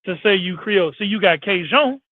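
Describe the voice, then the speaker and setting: A man's voice: high voice, expressive, a little fast, no echo. A man on an online panel, chatting casually and explaining history with many restarts. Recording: tinny phone-line sound.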